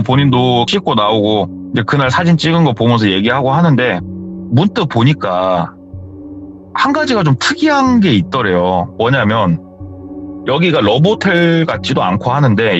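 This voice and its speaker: A man's voice: mid-range voice, moderate pace, muffled recording, soft background music. A man hosting a horror story radio show, casually retelling a viewer's true story and acting out the characters' lines. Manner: animated, acts out the characters' lines.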